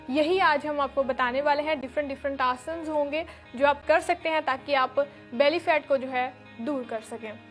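A young woman teaching yoga in a studio, giving calm step-by-step instructions with many fillers, on a lapel mic. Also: high-pitched. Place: studio with red floor and dark curtains.

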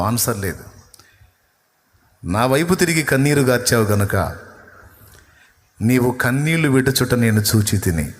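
A man preaching a sermon, retelling a scripture story and acting out its dialogue with shifting intensity. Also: medium pitch. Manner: storytelling, acts out quoted dialogue with rising and falling intensity. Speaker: pastor. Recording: long hall reverb.

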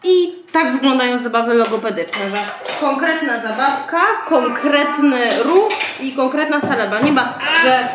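Mom in her 30s vlogging at home, kinda high voice, singsongy with the kids, echoey room, noisy. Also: unhurried. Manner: lively, sing-song sounds for toddlers. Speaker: vlogger and mother. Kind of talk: casual vlog demonstration. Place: at home with toddlers.

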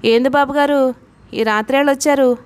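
A woman's voice: high voice, fairly even intonation, moderate pace, lightly acted. A woman voicing a sleepy, earthy village wife while reading a novel aloud, in colloquial, drowsy speech.

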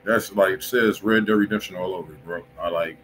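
An American man hosts a music review livestream from a small indoor room, chatting casually in heavy slang, saying "bro" often and repeating fillers. His voice is low-pitched, steady, brisk and a bit bright, with clear background noise and room ambience.

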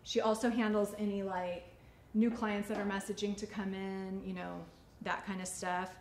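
A woman's voice: medium pitch, flat delivery, normal speed. A woman in her forties, a salon owner, talking casually and chattily as she teaches during a demonstration. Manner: chatty, informal. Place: indoor white-backdrop studio. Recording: echoey studio room, faint ambient noise.

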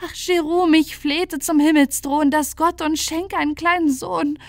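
Desperate young noble lady voiced by a woman, high and pleading, dry studio. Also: fairly even intonation, measured pace, no room sound.

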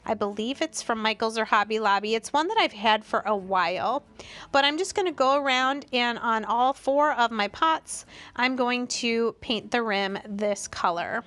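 Smooth-voiced woman narrating a craft tutorial. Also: on the high side, moderate pace. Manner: calm, explanatory, chatty asides.

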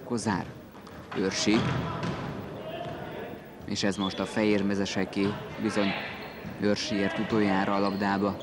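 Low-voiced man commentating on indoor football. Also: completely flat delivery, pauses often, over a noisy crowd. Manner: terse play-by-play, calling out player names. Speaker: sports commentator. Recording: noisy gym recording, ball bounces behind. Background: indoor sports hall with bouncing ball.

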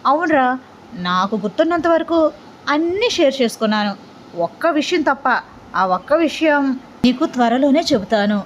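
A woman's voice: high voice, animated, normal speed, long pauses, slight background noise, pitched above the performer's own voice. A woman voicing a chatty, playful young man who complains and teases.

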